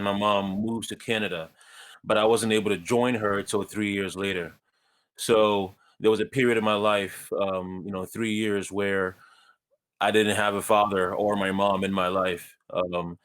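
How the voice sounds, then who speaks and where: A man from Ghana, a guest in a conversation, telling his life story in a measured, earnest way with light self-deprecating humor. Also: lowish voice, a bit bright.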